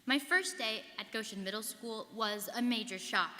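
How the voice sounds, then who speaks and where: A woman's voice: on the high side, moderate pace, pushed and bright. A young woman, a student performer, reciting an earnest first-person life story in a rehearsed stage reading. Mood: earnest recollection. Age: young adult. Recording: live reading in reverberant hall.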